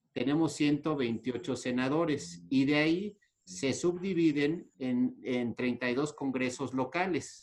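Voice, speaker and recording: An unremarkable speaking voice from a man, fairly high-pitched, its pitch varying in an ordinary way. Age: 30s. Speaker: politician. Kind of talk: interview. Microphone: connection cutting out.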